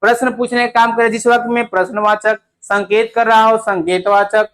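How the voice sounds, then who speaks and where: A man's voice: sits high, level tone, normal speed, fairly bright tone, smooth. A young adult man teaching an exam-prep grammar lesson, chatty and repetitive, who quizzes his listeners with rhetorical questions and drags out sounds when he demonstrates them.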